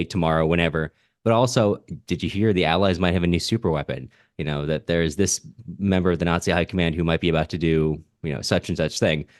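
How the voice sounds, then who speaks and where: Man, deep voice, podcast host, bookish and measured commentary, dry sound. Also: no echo. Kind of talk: podcast commentary, reading listener comments aloud.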